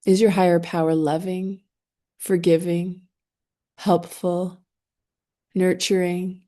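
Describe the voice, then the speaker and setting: A woman leading a guided meditation, speaking gently and soothingly in short phrases with long, unhurried pauses. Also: lowish voice, level tone.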